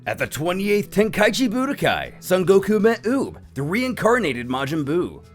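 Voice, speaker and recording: A man narrates a manga story in a fairly high, very animated voice. His delivery is scripted and dramatic, with expressive storytelling over faint background music. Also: normal speed.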